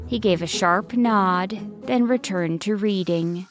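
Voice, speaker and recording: A woman storyteller reads a scripted bedtime story for children. Her voice is mid-pitched and unhurried, with faint music behind it.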